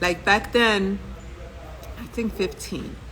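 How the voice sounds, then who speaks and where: A woman with a slight New York accent speaks in a bright, sharp tone. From New York City, Puerto Rican family. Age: 60s. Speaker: business coach. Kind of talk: live stream talk. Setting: livestream, wearing earbuds.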